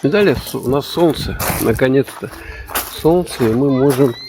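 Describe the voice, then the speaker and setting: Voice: mid-range voice, moderate pace. A vlogger rambling casually and musing aloud in short remarks while walking outdoors by the water. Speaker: vlogger filming a walk. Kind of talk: casual unscripted walking commentary. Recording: noisy outdoor recording, wind and ambience.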